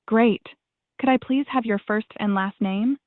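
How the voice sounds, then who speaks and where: A synthetic woman's voice answering calls as a receptionist, polite, even and formulaic. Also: a little high, unhurried, no echo. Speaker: AI phone receptionist. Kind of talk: scripted phone answering. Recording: dry tinny phone line.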